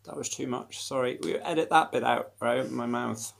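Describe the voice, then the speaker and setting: A man speaking as a guest in a casual conversation, calm and explanatory, a little insistent. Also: mid-range voice, moderate pace, vocal fry. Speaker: guest, professor.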